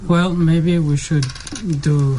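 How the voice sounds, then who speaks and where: Man, flat delivery, earnest opinion in group talk, light ambient noise. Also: on the high side, slow pace.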